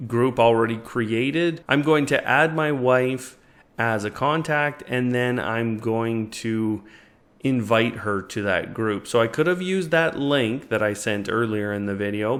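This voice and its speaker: A man hosting a tech tutorial, explaining a product setup step by step in a casual way. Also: mid-range voice. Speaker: tech reviewer and tutorial host. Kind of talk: step-by-step product demo narration.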